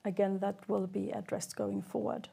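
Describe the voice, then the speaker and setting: Woman, finance executive, creaky voice, mellow tone, businesslike earnings presentation. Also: mid-range voice, fairly even intonation, normal speed. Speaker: chief financial officer.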